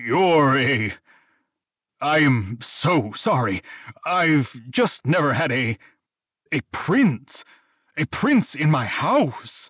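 A man does a raspy put-on character voice at a fairly high pitch with lively intonation. He goes very slowly, with long, frequent pauses. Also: dry, close sound with no echo. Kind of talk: audiobook character voice. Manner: warm, excitable, stammering.

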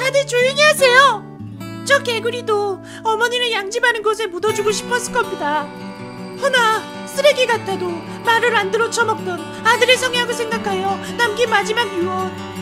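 The speaker uses a put-on character voice at a moderate pace. Clear music plays in the background. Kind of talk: mock speech. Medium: dub.

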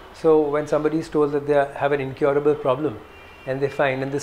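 A fairly high-pitched man speaks fairly quickly in a monotone, flat way, with noticeable background noise. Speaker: yoga teacher. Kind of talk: interview explanation.

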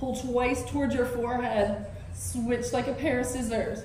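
Fairly even intonation is heard through audible room echo and light background noise. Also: woman. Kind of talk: exercise class cueing. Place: gym. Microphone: camera far.

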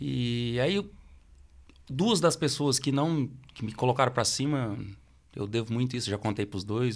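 A man speaking at a moderate pace. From Brazil. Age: 30s. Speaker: country singer. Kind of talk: casual interview chat. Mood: reflective, warm. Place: studio. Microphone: studio mic.

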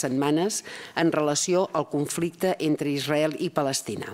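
A woman talks with fairly even intonation. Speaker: council meeting chair. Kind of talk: formal statement reading. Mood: formal, serious. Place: hall. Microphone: podium.

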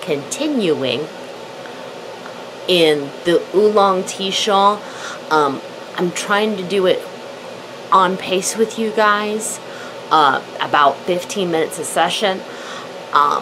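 A woman talks at a very slow pace with long, frequent pauses. Noticeable background noise is present. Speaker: craft tutorial host. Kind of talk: casual vlog chat. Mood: friendly, relaxed. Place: home room. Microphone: phone near.

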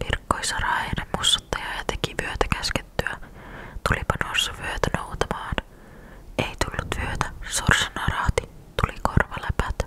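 A woman whispers in a calm tone at a fairly slow pace. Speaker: ASMR creator. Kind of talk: ASMR bedtime story reading. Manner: soft, calm. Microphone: studio mic.

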